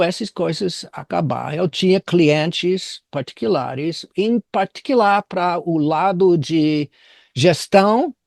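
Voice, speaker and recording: Older male interviewee, American accent, native English speaker. Creaky voice, halting delivery, dry sound. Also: on the high side, dry recording. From United States. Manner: halting, searching for words in non-native Portuguese. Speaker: business consultant interviewed as guest. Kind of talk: conversational interview storytelling.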